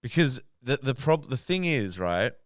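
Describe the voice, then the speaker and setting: A man's voice: mid-range voice, very animated, a little slow, no room sound, clean studio sound. A man co-hosting a podcast, chatting loosely, reacting a lot and swearing casually. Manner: casual, swears freely, many short backchannels. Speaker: podcast co-host.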